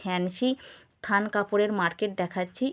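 A woman with a fairly high pitch has an ordinary speaking voice. The recording is very clean, with a silent background and a dry, close sound with no echo. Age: 40s. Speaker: vlogger. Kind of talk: market walk-through vlog; personal story to viewers.

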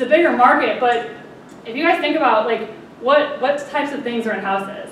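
Light background noise and audible room echo around a woman speaking with ordinary pitch variation. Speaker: sales business owner. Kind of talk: conference talk. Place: hall. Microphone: camera far.

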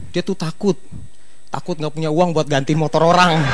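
An animated man at a very fast pace, fairly high in pitch, with light background noise. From Tanjung Priok, Jakarta. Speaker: stand-up comedian. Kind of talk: stand-up comedy set with audience. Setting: stage with audience, TV show. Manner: animated, punchline-driven delivery with exaggerated mimicry; fast, casual slangy Jakartan patter. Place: stage. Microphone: handheld.

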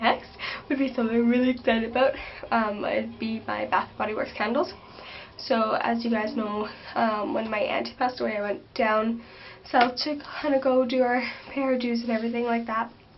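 Over music in the background, a woman talks at a fairly quick pace with a fairly high pitch and fairly even intonation. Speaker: beauty vlogger. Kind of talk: casual chat. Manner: casual, chatty.

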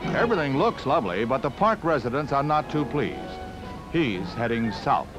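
Over clear background music, a man talks at a fairly quick pace in a fairly high pitch with very wide pitch swings, the sound dry with no echo. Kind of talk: vintage newsreel narration. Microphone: old recording.

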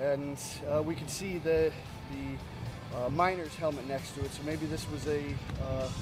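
Noticeable background noise sits under the recording. A man talks with fairly even intonation. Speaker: war reporter. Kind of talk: field report commentary. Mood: somber, respectful. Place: street.

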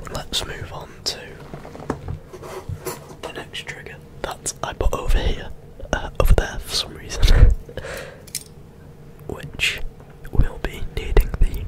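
Whispering at a fairly slow pace, broken by long, frequent pauses. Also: man. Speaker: ASMR creator. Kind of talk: ASMR video. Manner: whispered, soft-spoken. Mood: cheerful festive. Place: home room. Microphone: studio mic.

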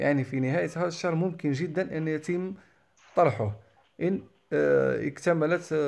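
A man with a normal speaking voice and fairly high pitch talks at a fairly slow pace. His pitch varies in an ordinary way. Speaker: gaming YouTuber. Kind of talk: gaming news commentary.

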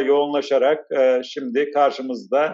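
Fairly slow, monotone delivery with flat intonation over a quiet background. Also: man. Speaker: host of online talk. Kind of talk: host introduction. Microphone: video call.

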